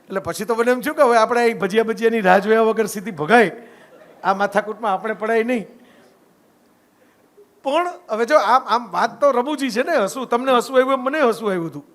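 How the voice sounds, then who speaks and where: Middle-aged guy, pretty high voice, chatty lecture, keeps asking the crowd "right?". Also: a little fast, a bit bright. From Gujarat, India. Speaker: speaker giving a lecture. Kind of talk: storytelling public talk.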